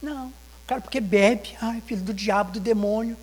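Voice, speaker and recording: In a church sanctuary, a pastor with a Brazilian Portuguese accent preaches an informal sermon, storytelling animatedly with anecdotes and acted-out dialogue. His voice is high-pitched at a moderate pace, with a long reverb tail.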